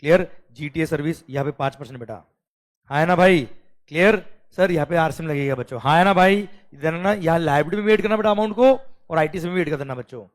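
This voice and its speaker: An Indian man with a fairly high voice teaches an exam-prep lecture. He mixes English and Hindi, calls his students "beta" and keeps asking if they are clear. He reads the English questions out slowly.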